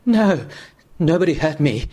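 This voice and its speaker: A man's voice: medium pitch, very animated, unhurried. A man voicing a frightened traveler in a spooky storybook reading, pleading and panting in terror. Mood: terrified. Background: music.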